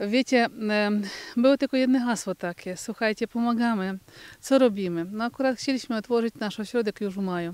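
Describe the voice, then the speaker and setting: A woman with a Ukrainian accent talks at a fairly quick pace in a fairly high pitch. Her pitch varies in an ordinary way, and the sound is dry and close with no echo. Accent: Ukrainian accent in Polish. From Ukraine, Kyiv region. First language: Ukrainian (speaking Polish). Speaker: holiday resort owner helping refugees. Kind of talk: news interview.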